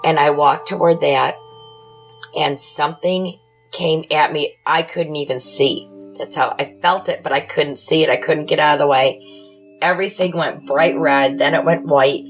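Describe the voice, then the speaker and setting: A woman with a low voice recounts personal paranormal experiences as an interview guest. She speaks conversationally in short, matter-of-fact phrases that build drama. Faint music plays underneath. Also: steady tone, moderate pace, rough recording. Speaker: podcast guest, paranormal investigator. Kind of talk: conversational first-person storytelling.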